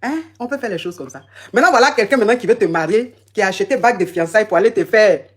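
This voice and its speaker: Fast-talking emphatic woman coach. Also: medium pitch, expressive, breathy edge. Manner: emphatic, repeats words and restarts often. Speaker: advice coach. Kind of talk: live call-in advice chat.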